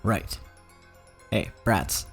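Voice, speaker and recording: A man's voice: extremely slow, a bit bright, soft background music. A man voicing a blunt, scolding middle-aged father in a visual novel reading. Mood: gruff. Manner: curt, scolding.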